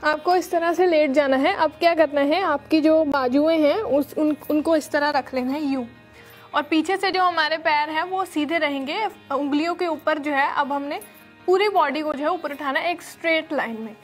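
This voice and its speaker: A young woman with a high voice leads a yoga lesson in a studio. She gives calm, step-by-step instructions and often pauses on fillers. Faint music plays behind her lapel-mic sound. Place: studio with red floor and dark curtains.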